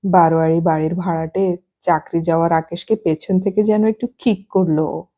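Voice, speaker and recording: A woman narrating a novel as an audiobook, reading at an unhurried pace and lightly acting out the dialogue. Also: on the low side, fairly even intonation, dark tone.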